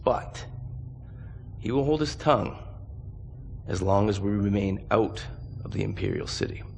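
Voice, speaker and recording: A low, gravelly voice of a stern commander, solemn and measured as in a game cutscene. Faint background noise sits under the orders. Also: male voice, darkish tone. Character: grave, commanding male mercenary officer briefing his unit. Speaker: military commander. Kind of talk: dramatic game cutscene acting.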